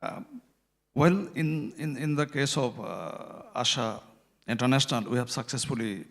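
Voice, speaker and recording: A man's voice: medium pitch, a little slow, a bit bright. A man, speaking on a conference panel about microfinance, explaining earnestly with many hesitations and fillers. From Bangladesh. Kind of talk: panel discussion.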